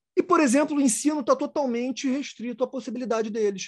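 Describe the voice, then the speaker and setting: Against a quiet background, a man is speaking. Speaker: professor of military law, former military police. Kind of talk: lecture-style interview discussion. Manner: fast; repetitive with fillers.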